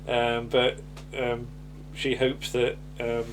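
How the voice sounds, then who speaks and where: A man's voice: mid-range voice, completely flat delivery, slow, slight background noise, low-quality recording. A man chatting casually as he reviews an episode, hesitant and rambling, often ending on tag questions. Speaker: podcast host.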